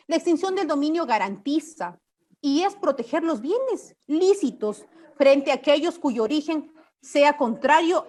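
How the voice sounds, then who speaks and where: A woman legislator gives a formal, measured speech to the chamber, arguing her case from prepared remarks. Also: high-pitched.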